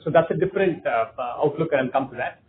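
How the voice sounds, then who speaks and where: A man's voice: on the high side, fast talker, slight background noise. A man, a company executive, explaining business strategy to analysts on an earnings call. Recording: tinny phone line.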